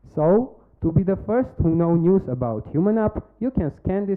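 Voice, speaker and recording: A man speaks with an Armenian accent at a moderate pace. His intonation is lively. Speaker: startup founder. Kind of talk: sales pitch; Q&A. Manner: halting.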